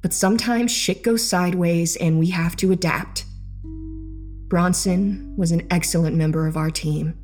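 A man voicing a calm, commanding female squad leader in a horror story read over soft music. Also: sits high, normal speed, voice pushed up, lightly acted. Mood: reassuring. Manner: steady, reassuring, matter-of-fact orders.

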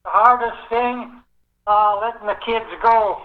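A man's voice: very high-pitched, little pitch movement, measured pace. Man in his 80s, speakerphone held away from the mouth, faint and distant, hesitant short answers, dull muffled line. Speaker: father interviewed by phone. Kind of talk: phone interview.

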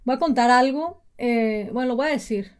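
Woman in her 30s, podcast co-host, lively, acts out quotes, slightly high voice. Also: normal speed. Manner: animated, acts out quoted parents in a mocking voice. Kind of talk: casual chat.

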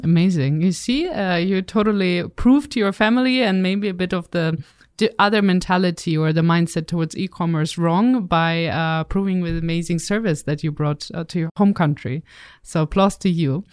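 A woman's voice: fairly low pitch, a little mellow, dry recording. A woman hosting a podcast, reading a scripted intro and then asking a guest questions in a studio. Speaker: podcast host. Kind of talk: podcast interview. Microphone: studio microphone.

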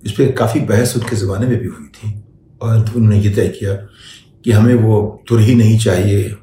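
An older man giving spoken opinion commentary as a show host, deliberate and measured, often posing rhetorical questions. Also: lowish voice, steady tone, mellow. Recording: echoey room, faint background noise.

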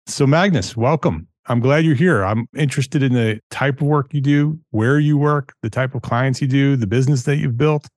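A man's voice: medium pitch, normal speed, hardly any pauses, darkish tone, dry recording, clean studio sound. A man hosting a podcast, introducing his guest and asking interview questions. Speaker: podcast host. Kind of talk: podcast interview and promo reads.

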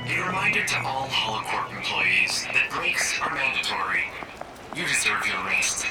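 A man's voice: on the low side, sing-song, normal speed. A man as an impersonal corporate intercom announcer. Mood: announcing. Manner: formal, level announcement delivery. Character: male corporate public-address announcer, impersonal. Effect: over the intercom. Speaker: facility announcer. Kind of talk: audio drama. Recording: echoey distant intercom with loud music.

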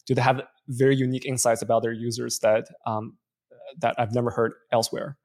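Gravelly-voiced male investor, thoughtful. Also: medium pitch, level tone, brisk, darkish tone. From Canada. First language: Chinese. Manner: thoughtful, frequent fillers and restarts. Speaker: venture investor guest. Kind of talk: conversational interview answers.

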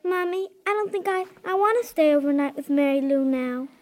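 A woman's voice: high voice, fairly quick, a little mellow, natural voice. A woman playing an eager little girl who pesters her mommy in a 1950s radio comedy. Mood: plaintive.

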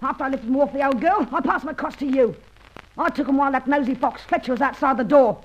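A woman's voice: sits high, fast talker, close to an everyday voice. A woman playing a bossy, scornful female jewel thief in an old radio crime drama, talking in snappish, tough slang. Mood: angry, accusing. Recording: dull, muffled old radio recording.

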